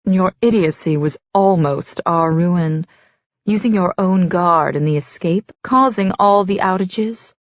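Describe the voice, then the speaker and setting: A woman's voice: fairly low pitch, a little slow, no room sound, muffled recording, lightly acted. A woman voicing a scheming, cruel queen mother who talks in a scornful, cutting way.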